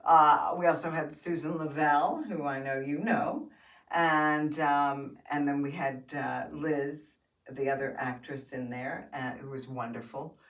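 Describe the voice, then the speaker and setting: A woman's voice: low voice, unhurried, distant mic. A woman, an actress and acting coach, talking frankly and expressively as a guest in a casual studio interview. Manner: talkative, frank, expressive storyteller. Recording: roomy studio sound, off-mic.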